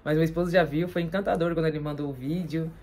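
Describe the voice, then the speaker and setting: Fast-talking Brazilian woman, low voice. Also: fairly even intonation, darkish tone, slight background noise. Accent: Brazilian Portuguese. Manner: chatty, frequent tag questions. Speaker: vlog host. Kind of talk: casual chat.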